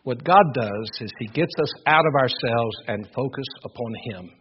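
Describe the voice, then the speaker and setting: An older male preacher with a loud, husky voice delivers an earnest sermon. He presses his points with emphatic repetition. The recording sounds dull and lo-fi. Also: mid-range voice, normal speed. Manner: earnest, emphatic, repeats words while building points.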